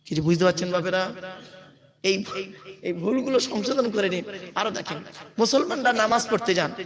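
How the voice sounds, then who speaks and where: A man preaching at a religious gathering, emphatic, quizzing the crowd and calling out to his listeners. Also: high voice. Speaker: Islamic preacher and school teacher. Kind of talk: Bengali waz sermon to a crowd. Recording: crowd noise behind.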